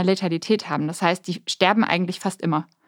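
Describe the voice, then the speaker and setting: In a very clean recording with a silent background and a dry, close sound with no echo, a woman speaks in an ordinary speaking voice at medium pitch with ordinary pitch variation. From Baden-Württemberg. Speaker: podcast co-host. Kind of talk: casual chat. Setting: studio.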